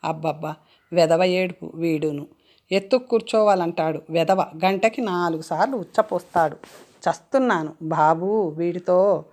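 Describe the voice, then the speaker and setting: A woman's voice: lowish voice, a little slow, a little mellow, lightly acted. A woman voicing a short-tempered young sister-in-law who snaps in exasperation. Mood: exasperated. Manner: snapping, exasperated.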